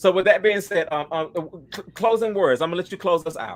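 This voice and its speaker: A man with a Southern US accent speaks at a high pitch in an animated tone, with ordinary pitch variation. Music plays in the background. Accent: Southern US (Georgia). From US South, Tifton, Georgia. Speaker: host of online vocal masterclass show. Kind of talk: casual chat. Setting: video call. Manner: fast.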